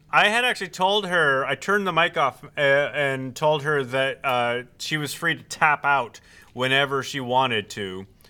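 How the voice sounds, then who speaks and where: A man speaks in a plain, everyday voice at a fairly high pitch and a moderate pace. His intonation is lively, with hardly any pauses. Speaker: podcast co-host. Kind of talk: casual chat. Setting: video call.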